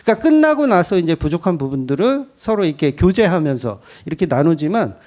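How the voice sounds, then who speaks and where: A middle-aged man preaching a Sunday sermon as pastor, telling family stories with lively acted-out voices. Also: fairly high pitch, fast talker. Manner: animated storytelling, acts out his daughters' voices. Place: church sanctuary.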